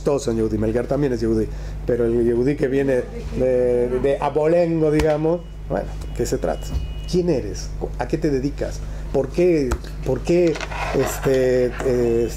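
A man's voice: mid-range voice, moderate pace, noisy background. A man, a rabbi teaching a religious text in a conversational way, with rhetorical questions and emphatic repetition. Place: small classroom, indoors.

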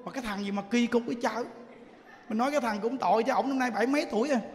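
A man's voice: very high-pitched, racing. A man with a Southern Vietnamese accent, a Buddhist monk giving a dharma talk to an audience in a temple hall, telling stories, throwing rhetorical questions at listeners and laughing often. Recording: long hall reverb.

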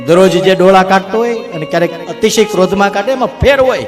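Over music, a man delivers a devotional katha sermon in a voice that sits high and moves quickly. He tells the story dramatically, acting out the quotes and slipping in brief sung lines.

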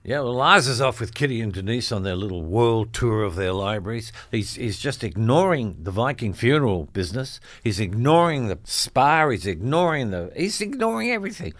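A man's voice: mid-range voice, sing-song, moderate pace, hardly any pauses, a bit bright, no room sound. A man acting in an improvised radio drama as an anxious, exasperated small-town man who stammers and repeats himself. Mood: fed up.

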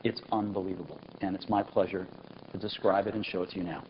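A man in his forties giving an enthusiastic product launch keynote on a large auditorium stage, pausing for effect and stressing key words. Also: deep voice, steady tone. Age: 40s. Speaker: company executive presenting a product keynote. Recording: dull lo-fi 1999 event recording with faint hiss.

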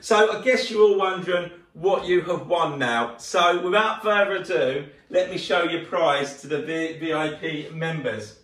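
Middle-aged male host, excitable and chatty, slightly croaky, fairly high voice, recorded far from the mic in an echoey room. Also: measured pace, hardly any pauses. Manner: enthusiastic, chatty, gestures while talking. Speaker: channel host. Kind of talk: upbeat announcement to viewers. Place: living room at home, indoors. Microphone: camera across the room. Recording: roomy echo from a distant camera mic.

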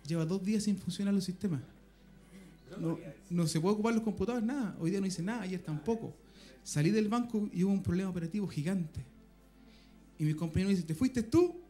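A man's voice: sits high, fast, pauses often, dark tone, soft background music. A man with a Chilean accent gives an impassioned church testimony, often calling listeners brother. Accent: Chilean Spanish. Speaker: church member giving testimony. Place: evangelical church meeting.

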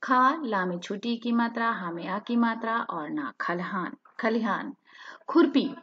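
Husky-voiced woman teacher, slow patient spelling lesson voice-over, a bit high, dull lo-fi sound. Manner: slow, careful letter-by-letter spelling. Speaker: language teacher.

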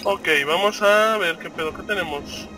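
A man with a Mexican accent giving excited gameplay commentary, cursing constantly and shouting out at what happens in the game. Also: high voice, moderate pace, heavy background noise. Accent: Mexican Spanish. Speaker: gaming video host.

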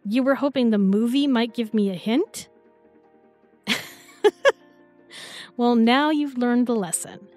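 A woman's voice: on the high side, slow, pauses often, a little mellow, soft background music. A young woman playing an affectionate, teasing new girlfriend in an intimate roleplay audio, with a playful, tender, coaxing manner.

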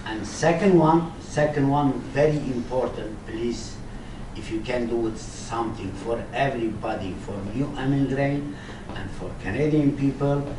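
A middle-aged man speaks broken English with a Kurdish accent, feeling his way through a question. His voice sits at an average pitch, picked up from a distance in an echoey, noisy meeting room. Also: normal speed, few pauses. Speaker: community journalist asking questions. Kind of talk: question from the floor at a community meeting. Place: meeting room, seated around tables. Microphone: distant camera microphone.

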